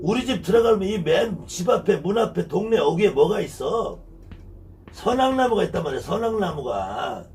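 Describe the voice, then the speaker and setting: Animated high-voiced man in his fifties lecturing. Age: 50s. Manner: emphatic, repeats key words, asks rhetorical questions. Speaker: shaman teacher. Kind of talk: lecture on shamanic ritual.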